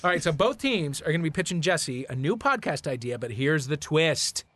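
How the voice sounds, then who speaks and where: A man's voice: fairly high pitch, very animated, moderate pace, a bit bright, no echo. Theatrical male game show host, dry sound. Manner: playful, theatrical announcing. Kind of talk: comic live podcast game show.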